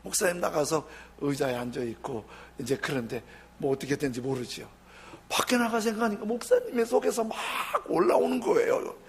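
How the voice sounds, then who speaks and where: A man's voice: a little high, a little fast, gravelly, slight background noise. A male pastor preaching a sermon, telling stories and acting out the people in them. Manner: lively storytelling, acts out quoted people.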